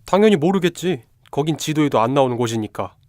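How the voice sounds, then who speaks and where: A man's voice: on the high side, animated, fast, a little mellow, dry recording, studio quality, close to an everyday voice. A man playing a blunt, hot-tempered young student detective in a radio drama, brusque and sarcastic. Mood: scornful. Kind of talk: fast radio drama dialogue.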